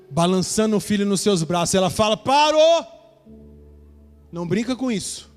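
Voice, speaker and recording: In a church hall full of reverb, a pastor with a fairly high-pitched, darkish voice preaches a sermon. He recounts a Bible story, acting out the dialogue, and speaks straight to the congregation.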